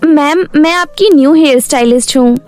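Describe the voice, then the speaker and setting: A polite young hairstylist in a cartoon tale, voiced by a woman, speaks in a coaxing, very high voice. The recording is dry with soft music. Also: moderate pace, no echo, close to an everyday voice. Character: apologetic, persuasive disguised young female hairstylist. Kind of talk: cartoon story dialogue.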